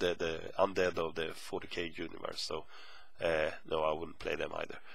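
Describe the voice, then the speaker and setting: The speaker is a man. He has a Swedish accent. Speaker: wargaming hobbyist. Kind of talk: casual talk to camera.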